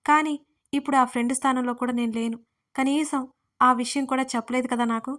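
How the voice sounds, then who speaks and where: In an audio story, a woman voices a young woman who is hurt, jealous, and weepy, pleading tearfully through sniffles. Her high-pitched, fairly bright voice keeps a fairly even intonation and moves a little fast.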